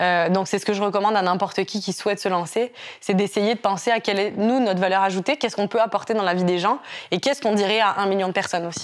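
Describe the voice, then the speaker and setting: Very fast speech from a woman at medium pitch, with fairly even intonation. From France, Nice. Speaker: YouTuber. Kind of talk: interview. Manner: hesitant fillers.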